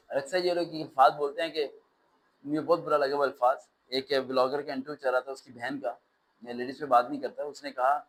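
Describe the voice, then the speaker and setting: Male test-prep teacher, slightly high voice, animated lecturing with sarcastic rants. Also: low-quality recording. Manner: animated, ranting with sarcastic asides. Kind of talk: classroom lecture.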